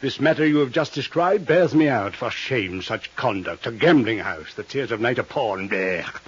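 An actor playing a vain, fussy master jeweler with florid, grandiose speech in a 1950s radio drama. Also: male voice, medium pitch, expressive, moderate pace, breathy edge. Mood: scornful. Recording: dull vintage 1950s radio recording.

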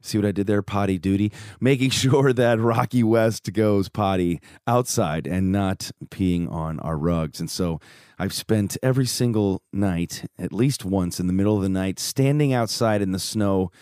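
A man with a hoarse voice hosting his podcast, upbeat and joking in casual chat. He grew up in Chicago. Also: fairly low pitch, normal speed, a little mellow, dry recording, studio quality. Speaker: podcast host. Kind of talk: casual podcast monologue and interview. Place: home studio.

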